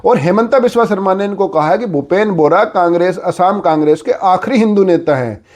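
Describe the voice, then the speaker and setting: Male news commentator, high voice, informal explainer delivery peppered with verbal fillers. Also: brisk, darkish tone. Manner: conversational explainer with repeated filler phrases.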